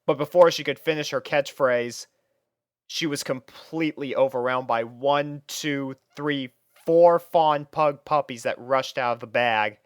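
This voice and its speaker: A man narrating a fan story in a steady, even storybook voice, recorded on a close home mic. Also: mid-range voice, unhurried, clean tone, dry recording. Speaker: fanfiction reader.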